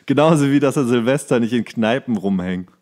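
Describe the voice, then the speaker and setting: A man's voice: mid-range voice, fairly quick, a little mellow. Jokey man in casual podcast banter. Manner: jokey, anecdotal, rambling. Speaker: podcast co-host.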